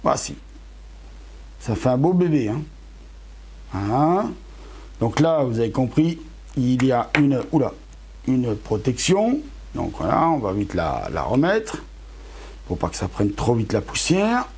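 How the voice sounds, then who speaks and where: A man's voice: medium pitch, sing-song, a little slow, long pauses, darkish tone, slight background noise. A middle-aged man casually unboxing astronomy gear for his channel, chatty, talking straight to his viewers, a bit tired and losing his voice. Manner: chatty, self-correcting, addresses viewers. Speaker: amateur astronomy YouTuber.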